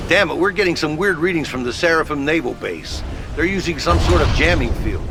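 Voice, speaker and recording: An actor playing a brash male headquarters radio officer giving brisk, swearing updates in a game. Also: a little high, expressive, over music. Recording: game score under the voice.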